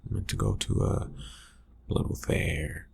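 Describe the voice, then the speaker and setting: Man acting as a menacing vampire, very gravelly low voice, husky, soft-spoken ASMR roleplay, halting and insinuating delivery. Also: fairly even intonation, exaggerated voice. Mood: quietly suspicious. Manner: hesitant, halting, quietly insinuating. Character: menacing male vampire confronting a friend, calmly threatening.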